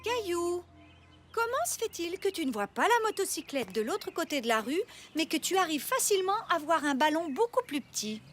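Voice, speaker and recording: Casting: playful, patient mother for a kids' cartoon, high voice with animated swings, reassuring. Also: normal speed, a little hiss or hum. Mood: questioning. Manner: gently questioning, reassuring. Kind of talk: children's cartoon dub.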